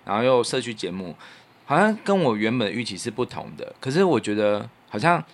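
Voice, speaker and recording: A man's voice: medium pitch, sing-song, fairly quick. A man with a Taiwanese Mandarin accent hosting a podcast in casual, reflective chat, telling anecdotes in an earnest way. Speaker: podcast host; musician.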